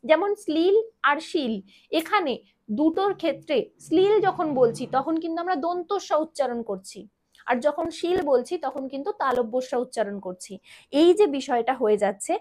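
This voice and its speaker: A woman with a West Bengal Bengali accent teaching an online grammar lesson to students, explaining step by step and sounding out examples. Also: sits high.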